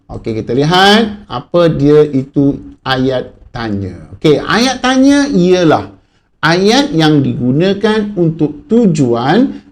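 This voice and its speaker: Animated Malaysian teacher, high voice. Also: male voice. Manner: animated, questions the pupils and answers himself. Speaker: primary school teacher. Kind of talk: online class lesson.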